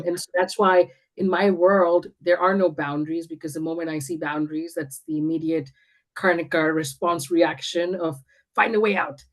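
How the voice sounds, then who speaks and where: A woman's voice: on the low side, fairly even intonation, normal speed, low-quality recording. A woman from India speaking as an interview guest, talking confidently and emphatically with frequent restarts. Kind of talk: casual interview chat.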